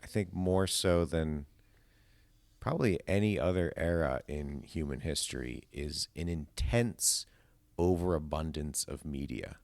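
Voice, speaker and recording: A man's voice: a bass voice, measured pace, gravelly, a little mellow, dry recording. A man hosting a podcast in casual conversation, with a wry, dryly joking manner. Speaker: podcast host.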